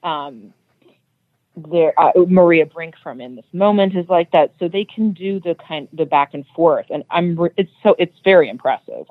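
A woman's voice: low voice, dry recording. A woman who sings in a metal band, speaking as an interview guest, chatty and often restarting her sentences. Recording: tinny phone-like line.

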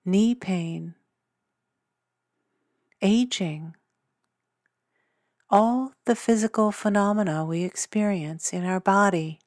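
Female meditation guide, calm and soothing, unhurried delivery, dry close mic. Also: medium pitch, dry recording. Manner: slow, gentle and soothing.

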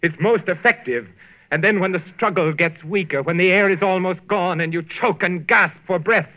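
An actor playing a suave, murderous male organist in an old radio drama, speaking in a silky, measured, gloating way. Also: high-pitched, close to an everyday voice. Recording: dull old radio recording with music.

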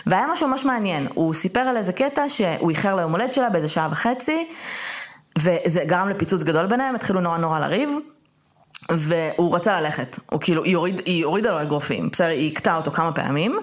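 A young woman co-hosting a podcast in casual chat, emphatic and animated, often checking in with "okay?". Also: on the low side. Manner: animated, emphatic, peppers talk with "okay?" and "right?". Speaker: podcast co-host.

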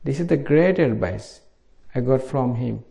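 A middle-aged Buddhist monk from Bangladesh with a Bangladeshi accent, giving an informal dharma talk in simple English at a meditation retreat. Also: male voice, mid-range voice, expressive, unhurried, vocal fry, warm tone.

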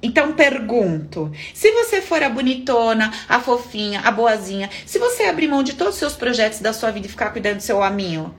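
Woman, Brazilian Portuguese accent, therapist, live-stream talk, animated delivery, high-pitched. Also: brisk, few pauses. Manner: lively, acts out dialogues, frequent rhetorical questions.

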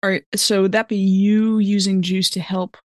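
A woman's voice: medium pitch, level tone, normal speed, darkish tone, no room sound, studio quality. A woman playing a tabletop game, thinking through her moves aloud in casual chat.

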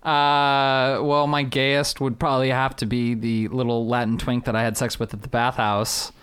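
A man guesting on a podcast in casual chat, deadpan with provocative jokes. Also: medium pitch, normal speed, smooth.

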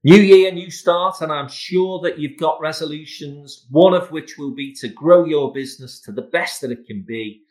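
A man's voice: fairly high pitch, normal speed, hardly any pauses, darkish tone. A man speaking as a podcast host, presenting and promoting in an emphatic, salesman-like way. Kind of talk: podcast interview and promotional announcements.

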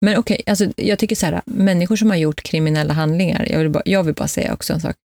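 A woman hosting a casual chat, speaking in a relaxed way with lots of filler words. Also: lowish voice, creaky, dry recording. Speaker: podcast host.

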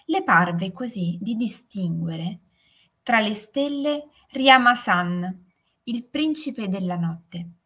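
A woman narrating a fairy tale in a calm, soothing way. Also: mid-range voice, breathy edge. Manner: slow, soothing, gently emphatic. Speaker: storyteller.

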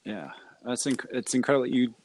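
A podcast host with a medium-pitched, slightly mellow voice speaks fairly quickly during an interview chat. His questions are long and enthusiastic, rambling along with restarts.

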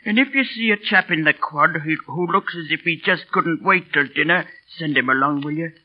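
An actor playing a very old, kindly British schoolmaster who talks in a slow, faltering, wistful way, in classic radio drama style. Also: male voice, fairly high pitch, slight background noise, close to an everyday voice. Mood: genial. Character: very old, kindly, absent-minded retired English schoolmaster. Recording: muffled old radio broadcast, music behind.

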